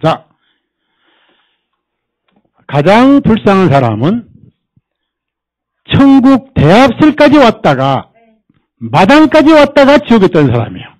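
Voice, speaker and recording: Lively, higher-voiced male pastor preaching. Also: low-quality recording. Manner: animated, quizzes the congregation with rhetorical questions; mimics people and jokes to make points. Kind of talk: sermon. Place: church service.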